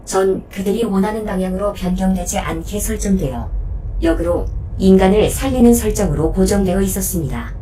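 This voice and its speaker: Combat robot turned guardian , female performer: mellow, polite, measured delivery with lively intonation, audio drama, slightly distant over music. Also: mid-range voice, a little hiss or hum, natural voice. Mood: calm, formal. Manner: formal, measured, matter-of-fact reporting.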